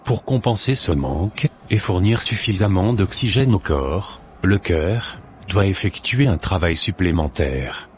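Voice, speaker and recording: A man voicing an earnest Christian big brother in a cartoon, speaking in a measured, didactic, preachy way. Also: low voice, animated, slight background noise. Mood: instructive. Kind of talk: scripted cartoon dialogue, expository.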